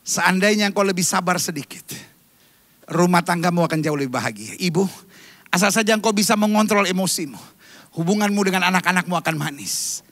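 Man, pastor preaching, very high gravelly voice, slightly strained, animated with shouts and asides, dry close sound. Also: fairly quick, dry recording. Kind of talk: sermon. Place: church stage.

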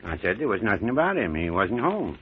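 A man's voice: on the low side, very animated, a little fast, slightly rough. An actor playing a curt, matter-of-fact man in an old-time radio drama. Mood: guarded. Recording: tinny, thin old radio recording.

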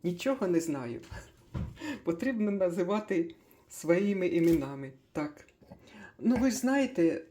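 An older woman chatting casually as she makes a breakfast smoothie in her kitchen, thinking aloud with small laughs. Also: fairly low pitch, warm tone. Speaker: cooking vlogger.

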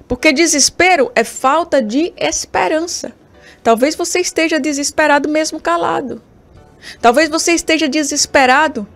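A woman in her thirties with a Brazilian Portuguese accent and a high voice preaches on morning radio. Her delivery is fervent and exhorting, aimed straight at the listener, and a soft music bed plays under her. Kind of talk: radio sermon.

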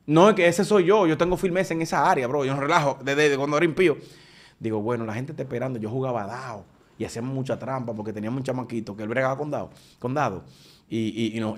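A man, a preacher giving his testimony in an animated conversational way, often restarting his sentences. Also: mid-range voice. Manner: animated storytelling with frequent restarts.

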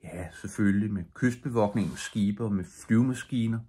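A man reading aloud voices a grieving young fishing boy, devoted and gentle, in an earnest, quiet way with a husky voice. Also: on the low side, a little hiss or hum, close to an everyday voice.

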